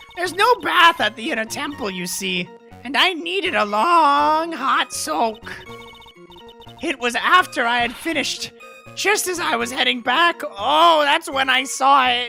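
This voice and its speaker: Over faint music in the background, a woman uses a put-on character voice with a high pitch and very wide pitch swings. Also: moderate pace. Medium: actual play. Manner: chatty, folksy.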